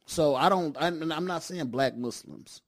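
Chatting casually, a Detroit man with an African American accent talks in a slightly high, unhurried voice. He stresses his points emphatically, says things more than once, and often adds tags to make sure he's understood.

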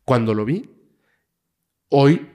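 A man's voice: medium pitch, lively intonation, takes it slowly. Mexican man telling a tense story. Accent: Mexican Spanish. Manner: dramatic storyteller, drops to a hush for tense moments. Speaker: guest, paranormal investigator. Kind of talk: casual storytelling interview.

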